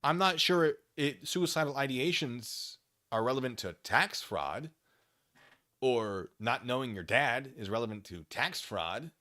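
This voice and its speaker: A man's voice: mid-range voice, animated, a little slow, sharp tone, no echo, clean studio sound. A man streaming off-the-cuff commentary as he reads a document aloud, dropping mocking, theatrical asides. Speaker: commentary streamer, channel host.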